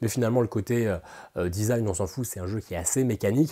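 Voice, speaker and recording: A man with a dark, mellow tone, talking at a very fast pace on a very clean recording with a silent background. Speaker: board game reviewer. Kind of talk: product review monologue. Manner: casual, with frequent hesitations.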